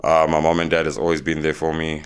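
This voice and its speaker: Brief: young South African man, very low voice, smooth and clear, frank interview guest. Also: monotone. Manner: plain-spoken, halting with fillers. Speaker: podcast guest. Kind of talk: candid interview storytelling.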